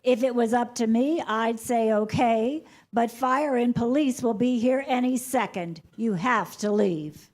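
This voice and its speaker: A woman's voice: a little high, measured pace, few pauses, darkish tone. A woman playing an earnest, dutiful security guard in a staged comedy reading, with an apologetic manner. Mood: apologetic, firm.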